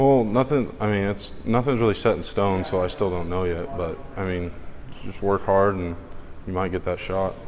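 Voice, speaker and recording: There is noticeable background noise as a man of fairly low pitch speaks at a moderate pace. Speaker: college football player. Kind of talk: press interview. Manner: monotone; quiet, few words.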